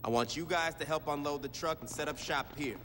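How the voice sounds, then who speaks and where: An actor playing a blunt, sarcastic, foul-mouthed gang leader in a video game. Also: male voice, on the high side, a little fast, a bit bright, a little hiss or hum, lightly acted. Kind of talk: video game cutscene acting.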